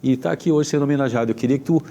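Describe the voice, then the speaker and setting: A man with a Gaúcho Brazilian accent hosting a live talk show, speaking haltingly with frequent tag questions. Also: medium pitch, dark tone. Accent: Gaúcho Brazilian Portuguese. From Porto Alegre region, southern Brazil. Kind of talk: casual live interview.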